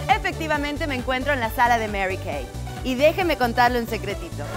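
Clear music plays in the background as the speech moves at a very fast pace. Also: woman. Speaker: TV host and actress; TV host, actress. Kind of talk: Spanish TV host presenting on location. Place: studio. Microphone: lapel.

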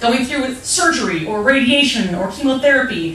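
The woman's voice sits at a high pitch and moves at a moderate pace. Audible room echo surrounds it. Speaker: open mic performer and cancer survivor. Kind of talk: reading aloud a personal essay at an open mic, with dark-humored stand-up touches. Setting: stage with audience. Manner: earnest and heartfelt toward the close. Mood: earnest, wry, a bit indignant. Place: stage.

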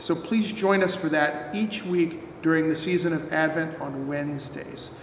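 A man speaks at a moderate pace with fairly even intonation. The room echo is audible, and there is light background noise. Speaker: minister. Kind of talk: worship welcome and announcements. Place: church.

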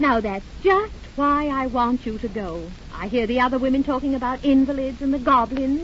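A woman talks at a moderate pace in a high voice, with hardly any pauses. The sound is dry with no echo, over light background noise. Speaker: wife in a radio comedy sketch. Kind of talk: old-time radio comedy sketch. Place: studio. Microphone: old recording.

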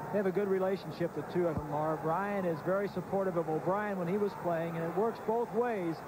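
A fairly quick, fairly even-toned voice with very even loudness and hardly any pauses comes through over noticeable background noise. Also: man, high pitch for a man. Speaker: football color commentator. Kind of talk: live commentary. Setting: stadium broadcast booth.

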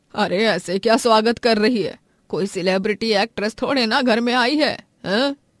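Natural-voiced reading aloud

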